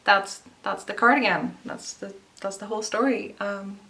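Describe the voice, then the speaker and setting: A woman's voice: mid-range voice, moderate pace, creaky, sharp tone. A young woman hosting a knitting video podcast, chatting in a rambling, self-deprecating way. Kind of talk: casual vlog chat.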